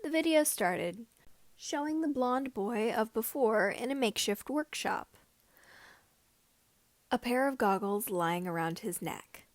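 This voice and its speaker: A woman reading a story aloud as scripted narration, with somewhat halting phrasing. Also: on the high side, lively intonation, no echo. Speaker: amateur audiobook reader of fan fiction.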